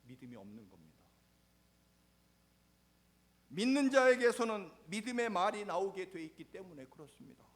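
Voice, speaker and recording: Male pastor, middle-aged, Chungcheong accent; lively, somewhat high sermon delivery with dramatic loud-soft swings. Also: moderate pace, pauses often. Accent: Chungcheong Korean. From Korea. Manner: dramatic swings between loud emphatic lines and soft low endings.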